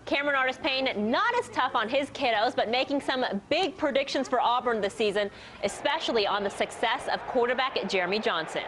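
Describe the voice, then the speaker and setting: A woman's voice: a little high, expressive, a little fast, background noise. A woman with an American accent reading scripted sports news as a TV anchor.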